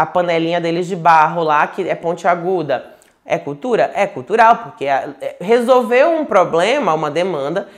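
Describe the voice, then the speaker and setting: Chatty Manaus-accented man teaching. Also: sits high. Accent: Manaus Portuguese. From Manaus, Brazil. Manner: chatty and digressive, with frequent restarts and tag questions. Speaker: tarot teacher. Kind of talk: casual online lecture. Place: home, indoors.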